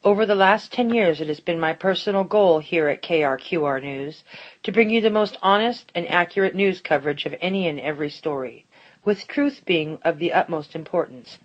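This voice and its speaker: A woman's voice: lowish voice, muffled recording, lightly acted. A woman playing a principled, defiant news reporter delivering an earnest, formal on-air editorial in an audio drama. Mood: earnest resolve. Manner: earnest, measured, rhetorical.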